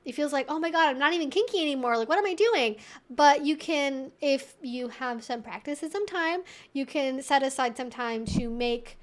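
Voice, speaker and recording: A woman hosting a live Q&A, talking casually and explaining things in a conversational, animated way, often acting out imagined thoughts. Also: high-pitched, normal speed. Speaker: host of a weekly live Q&A stream. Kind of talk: casual educational chat, answering viewers.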